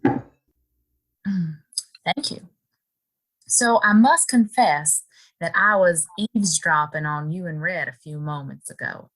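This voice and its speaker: An actress playing a wistful young saloon woman in a Western audio drama, curious and hesitant, with expressive pauses. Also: fairly low pitch, low-quality recording. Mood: coy, probing.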